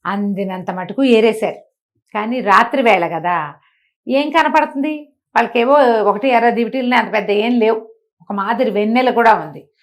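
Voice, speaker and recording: A woman's voice: fairly high pitch, normal speed. A woman telling a children's story aloud in a conversational way, explaining with asides and rhetorical questions. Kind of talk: oral moral storytelling for children, acting out dialogue.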